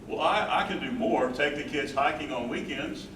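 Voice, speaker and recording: A man playing a concerned, gentle, supportive husband in a staged play reading. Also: on the high side, moderate pace, far from the mic, close to an everyday voice. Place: live staged reading in a room. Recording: echoey, noisy room from afar.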